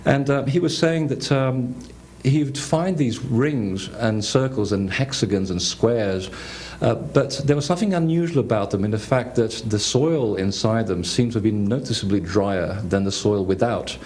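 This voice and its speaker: Lecturer, male, Portuguese accent, fairly low voice, halting delivery full of ums, faint room hiss. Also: darkish tone. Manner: hesitant, many fillers and restarts. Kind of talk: conference lecture with slides.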